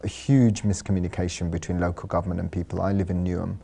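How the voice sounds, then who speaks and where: A London man, an artist and designer, answers interview questions thoughtfully in a studio, often saying "um" and "you know." His voice is low, gravelly and a bit rough, with a warm tone and little pitch movement. He talks at a quick pace.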